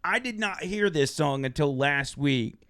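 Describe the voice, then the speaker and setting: Smooth, dry-voiced excited podcast host man. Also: fairly high pitch, dry recording. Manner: excited, laughing, quick asides. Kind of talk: casual podcast chat.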